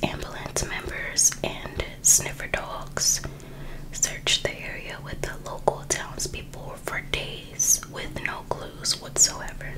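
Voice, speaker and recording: A woman softly whispering an ASMR reading as host, in a hushed, unhurried storytelling manner. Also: poor audio. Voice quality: soft unvoiced whisper. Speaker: ASMR host reading a true crime book.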